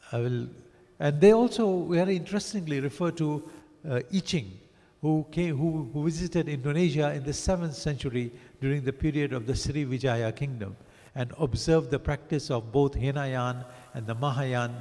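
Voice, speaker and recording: A man born in Africa reviewing a book as a lecture, halting with many fillers and restarts. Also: mid-range voice, darkish tone. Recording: long hall reverb.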